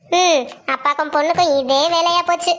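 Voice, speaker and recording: A woman voicing a practical, sharp-tongued middle-aged wife who coaxes and teases her husband. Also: very high voice, fairly even intonation, a little fast. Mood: coaxing. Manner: coaxing then teasing. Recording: soft music underneath.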